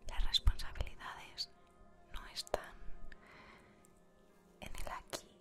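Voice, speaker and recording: A woman with an accent from Spain whispering an ASMR guided meditation in a soothing, gentle, unhurried manner. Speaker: ASMR creator guiding meditation. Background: music.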